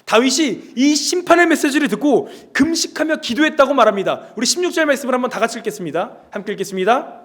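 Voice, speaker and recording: Animated high-voiced male preacher. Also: quick pace, hardly any pauses. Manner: animated storytelling, asks the congregation questions. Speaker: pastor. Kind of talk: sermon.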